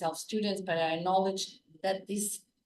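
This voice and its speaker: A woman's medium-pitched voice in a Uruguayan accent. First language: Spanish. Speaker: university professor presenting research. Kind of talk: conference presentation. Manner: hesitant, many fillers.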